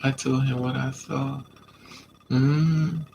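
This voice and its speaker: A man's voice: medium pitch, slow, creaky, a little hiss or hum, rough recording. A man with a stuffy nose from a coming cold, chatting casually on a live stream and answering viewers' comments. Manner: relaxed, chatty, talks back to commenters.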